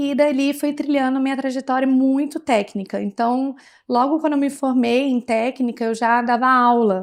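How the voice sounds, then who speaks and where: A woman with a Minas Gerais accent speaks at a high pitch and a moderate pace with fairly even intonation in a very clean recording with a silent background. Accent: Minas Gerais (mineiro). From interior of Bahia, Brazil, later Minas Gerais. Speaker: technology company executive. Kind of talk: interview. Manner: halting, many fillers and restarts.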